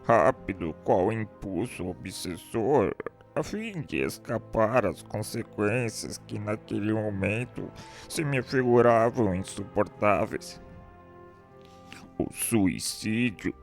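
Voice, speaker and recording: A man's voice: on the low side, expressive, gravelly, soft background music, full character voice. An actor playing a tormented, remorseful man confessing to murder and suicide in anguished, declamatory radio drama style. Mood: horrified remorse. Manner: anguished, declamatory, drawn-out delivery.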